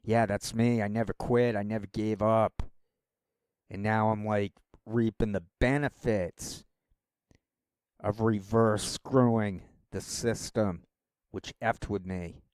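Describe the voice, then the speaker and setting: A man's voice: lowish voice, steady tone, takes it slowly, darkish tone, clear, resonant tone, dry recording, clean studio sound. A man rambling through a casual solo monologue as a vlogger, wandering from thought to thought. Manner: rambling, meandering talk.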